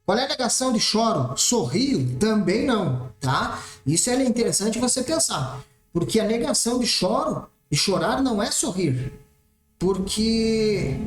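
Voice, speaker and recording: A man teaching an exam-prep math lesson, explaining step by step and checking in often. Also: high-pitched. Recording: roomy echoey room.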